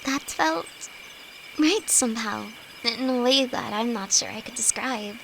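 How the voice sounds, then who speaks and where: A woman's voice: a little high, gravelly. A woman playing a timid, affectionate young apprentice alchemist in an intimate fantasy audio roleplay, speaking hesitantly to her best friend. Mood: tender, dazed. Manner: hesitant, halting, soft-hearted. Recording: noisy, with night insects behind. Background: crickets and night forest ambience.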